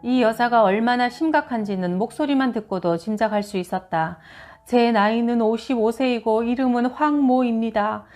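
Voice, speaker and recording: A woman reading first-person testimony stories as a scripted narration, in a measured read-aloud manner. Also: fairly high pitch, a little mellow. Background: background music.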